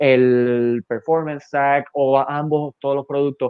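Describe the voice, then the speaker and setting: Energetic in tone, a man speaks at a fairly high pitch. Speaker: fitness coach. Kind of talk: interview.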